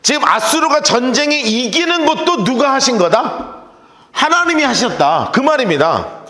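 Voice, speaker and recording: Animated male preacher in a reverberant church. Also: very high voice, normal speed. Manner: animated, emphatic, acts out voices. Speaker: pastor. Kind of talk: sermon. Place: church sanctuary. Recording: echoey church hall.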